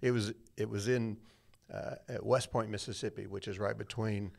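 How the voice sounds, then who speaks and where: Chatty middle-aged man, lowish voice. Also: fairly even intonation, normal speed, creaky, darkish tone. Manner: chatty, rambling, self-deprecating. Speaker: church media director, guest. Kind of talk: casual storytelling interview.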